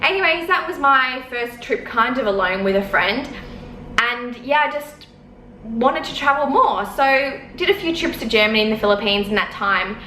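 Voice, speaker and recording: Bright-voiced chatty young woman, echoey room. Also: fairly high pitch, lively intonation, normal speed. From Australia. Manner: rambling and chatty, with many fillers and apologies. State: sore eyes from smoke. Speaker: vlogger. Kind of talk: casual storytelling to camera. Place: lounge room at home. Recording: echoey room, faint background noise.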